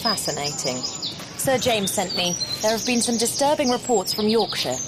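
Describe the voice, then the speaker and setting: An actress playing a prim, no-nonsense young female colleague in an audio drama, brisk, dry and exasperated. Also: medium pitch, very animated, very noisy, lightly acted. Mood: exasperated, tart.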